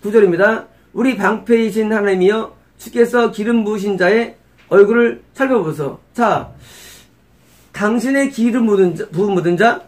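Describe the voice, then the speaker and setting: A middle-aged man with a high voice gives an expository sermon as pastor. He walks the congregation through the text, peppering it with rhetorical questions and repeating key phrases. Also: moderate pace. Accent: Korean-accented English words.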